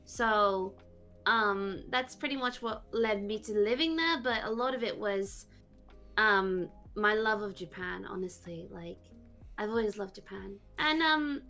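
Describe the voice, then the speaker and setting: A woman VTuber being interviewed, talking casually and haltingly with lots of fillers. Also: medium pitch, expressive, bright, forceful tone, soft background music. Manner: rambling, halting, many fillers. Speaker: VTuber guest.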